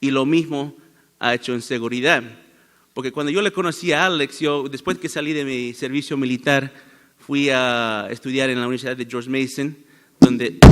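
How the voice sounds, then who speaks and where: A man talks at a moderate pace with a medium pitch. His pitch varies in an ordinary way, and the recording is very clean with a silent background. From United States, Bolivian parents. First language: English or Spanglish (speaking Spanish). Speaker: military veteran and security speaker. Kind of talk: conference talk. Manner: halting, many fillers and repeats.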